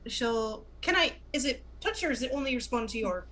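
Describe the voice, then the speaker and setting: A woman's voice: a little high, lively intonation, fairly quick, pushed and bright. A woman playing a tabletop game, chatting and narrating what her character does. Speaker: player. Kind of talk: tabletop role-play chat.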